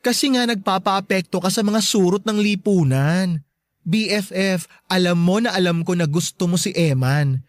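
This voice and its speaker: An actor playing a sassy, campy gay best friend in a Tagalog radio drama, teasing and bluntly caring, drawing out emphatic words. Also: male voice, sits high, normal speed, dry recording, studio quality, close to an everyday voice. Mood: blunt, encouraging.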